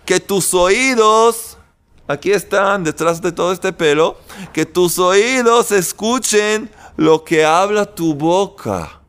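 Male religious teacher giving a sermon; high voice, slow, rhetorical questions. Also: smooth. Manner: animated, rhetorical questions, dramatic pauses.

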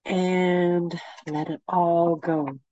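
A woman with a head cold and a nasal voice, leading a guided meditation with gentle, soothing instructions. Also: lowish voice, little pitch movement, drawn-out words, dry recording, muffled recording.

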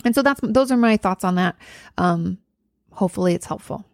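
A woman hosting a question-and-answer show, answering viewer letters in a gentle, reflective way, with many fillers and therapy terms. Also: mid-range voice, brisk, creaky, dry recording, studio quality. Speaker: host answering viewer questions on mental health. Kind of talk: casual advice chat.

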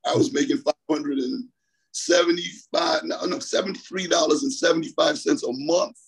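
Husky-voiced man from the Bahamas. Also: on the high side, moderate pace, rough recording. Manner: rambling, repeats words, laughs often. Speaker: track coach. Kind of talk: storytelling interview on a call. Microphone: phone.

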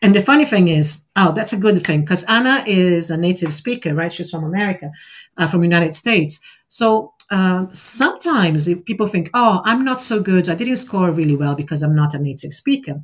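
A woman's voice: on the low side, expressive, normal speed. A woman in her forties, a native Portuguese speaker, hosting an online speaking exercise and explaining it in an encouraging way. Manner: explanatory, encouraging, frequent "right?" tags. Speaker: host of a speaking exercise session. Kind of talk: casual online group session.

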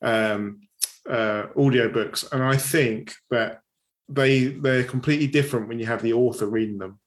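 A man's voice: medium pitch, normal speed. Man, interview host, friendly, hesitant restarts. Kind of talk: casual interview.

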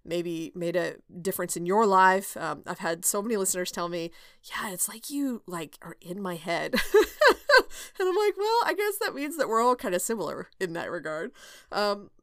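A woman's voice: fairly low pitch, very animated, moderate pace, no room sound, studio quality. Chatty woman podcast host. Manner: chatty and candid, many fillers and restarts, laughs often. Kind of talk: casual solo podcast chat.

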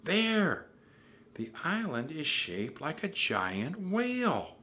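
An eager young girl from a storybook adventure, played by a male narrator. The voice is lifted high and bright. She talks in bold, excited, simple phrases, keen to point things out. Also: takes it slowly, slight background noise, exaggerated voice.

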